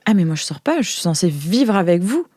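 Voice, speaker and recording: A naive young woman from a sci-fi future, acted by a woman in an audio role-play, speaks in a lowish, dry-recorded voice. She is eager and earnest, often puzzled, and explains her world hesitantly. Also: big pitch swings, a little fast, dark tone, slightly rough, dry recording.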